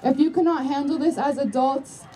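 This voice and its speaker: A woman's voice: high voice, fairly even intonation, normal speed, warm tone. A young woman student leading a rally with a solemn, impassioned speech. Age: young adult. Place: outdoor school campus. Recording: distant mic, faint outdoor noise.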